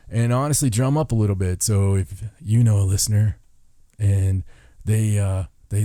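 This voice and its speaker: A man's voice: fairly low pitch, warm tone, no echo, studio quality. A man hosting a podcast in casual, rambling, jokey chat, full of enthusiasm. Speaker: podcast host.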